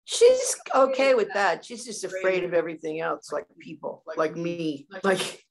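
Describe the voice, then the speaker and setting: Middle-aged woman, lowish voice with gravelly fry, relaxed and soft-spoken participant. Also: measured pace, a crowd in the background, poor audio. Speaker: class participant. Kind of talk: casual chat.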